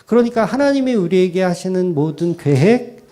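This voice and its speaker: A man's voice: sits high, normal speed. A male pastor giving an expository sermon, asking the congregation questions and acting out imagined voices. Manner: animated preaching, quoting imagined voices with sudden drops to soft asides.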